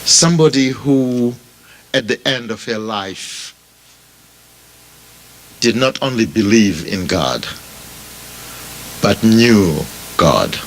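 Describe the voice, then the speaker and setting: A man with a Zimbabwean accent preaching a sermon as a pastor, speaking deliberately and repeating phrases for emphasis as he addresses his listeners directly. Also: fairly low pitch, expressive, slight background noise. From Bulawayo, Zimbabwe. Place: funeral service before a congregation.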